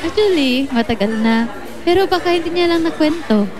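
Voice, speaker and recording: A woman's voice: extremely high pitch, animated, moderate pace. An actress playing a composed, knowing woman in a Filipino audio drama. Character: composed woman claiming old friendship, knowingly teasing. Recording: busy crowd noise behind.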